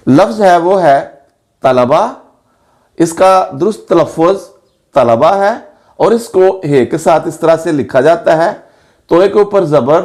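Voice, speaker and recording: Male language teacher, slightly high voice, slow and deliberate delivery, spells words out mark by mark. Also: darkish tone. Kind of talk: pronunciation lesson.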